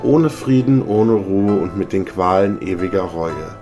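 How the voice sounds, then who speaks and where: A man voicing the tormented, chained ghost of an old business partner, speaking gravely and lamenting. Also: low-pitched, lively intonation, a little slow, mellow, faint music behind. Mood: mournful.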